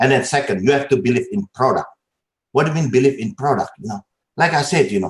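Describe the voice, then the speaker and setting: A man's very fast, somewhat breathy delivery with lively intonation, in an Indonesian accent. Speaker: network marketing distributor, former business owner. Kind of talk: interview. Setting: live webinar. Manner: halting, hesitant.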